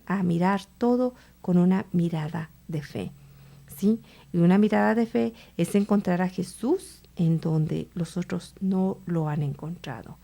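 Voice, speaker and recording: A woman hosts a radio prayer program, speaking slowly about faith and often checking in with her listeners. Her voice sits low, with a mellow, dark tone and a gravelly fry at the ends of phrases. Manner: unhurried, with frequent tag questions to listeners. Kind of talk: radio Bible teaching and prayer.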